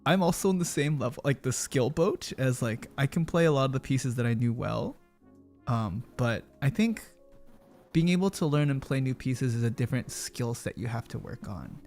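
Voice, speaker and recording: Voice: medium pitch, animated, normal speed, darkish tone, faint music behind. A streamer hosting a casual chat with a guest, chatty and encouraging, with many fillers and restarts. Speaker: streamer host.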